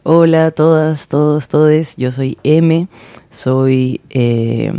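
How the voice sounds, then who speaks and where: A trans singer-songwriter from Peru, introducing himself on a radio show in a slow, earnest, reflective way. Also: male voice, a little high, steady tone, warm tone, clear, resonant tone, dry recording. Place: radio studio.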